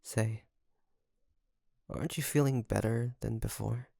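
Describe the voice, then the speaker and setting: A man playing an obsessive, doting kidnapper best friend in an intimate audio roleplay, creaky, coaxing and teasing with soft menace. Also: on the low side, fairly even intonation, no echo, clean studio sound, full character voice. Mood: coaxing, smug. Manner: softly menacing, coaxing, teasing, with drawn-out phrases.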